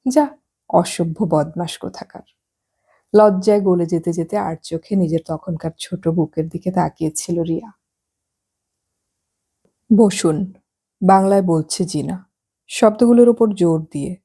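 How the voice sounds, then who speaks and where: A woman narrating a novel as an audiobook, reading at an unhurried pace and lightly acting out the dialogue. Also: on the low side, warm tone, slightly rough.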